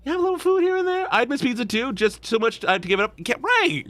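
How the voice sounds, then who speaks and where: Streamer, male, reads a game aloud, animated, pitch leaps, dry close sound. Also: fast talker, no room sound. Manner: animated, jumps high in pitch when joking. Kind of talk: reading a visual novel aloud with commentary.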